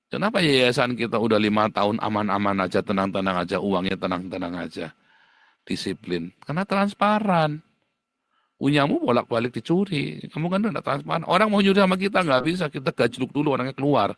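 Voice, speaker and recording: A man's voice: expressive, brisk, fairly bright tone, dry recording. Blunt, scolding male preacher, dry sound. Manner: sudden jumps to high pitch for emphasis. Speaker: pastor. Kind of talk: livestream sermon.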